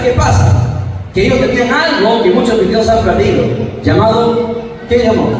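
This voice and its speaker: High-voiced preacher in an echoey hall. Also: male voice. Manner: questions the congregation and calls on members by name; emphatic, swinging between loud and soft. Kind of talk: interactive sermon teaching. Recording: echoey hall, far from the mic, faint noise.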